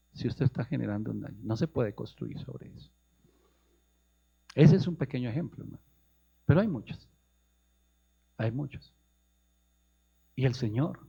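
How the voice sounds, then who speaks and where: A Colombian man preaching with a gravelly, mid-pitched voice that climbs into urgent, emphatic questions. He talks straight to his listeners as brothers, pressing each point home. The sound is muffled and lo-fi, like an AM radio broadcast. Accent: Colombian Spanish. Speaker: pastor. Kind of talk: sermon.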